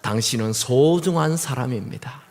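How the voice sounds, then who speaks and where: A middle-aged male guest pastor preaching a sermon in a church, telling humorous stories in an animated way. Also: medium pitch, moderate pace, slight background noise. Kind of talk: sermon with storytelling. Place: church sanctuary. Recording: reverberant church hall.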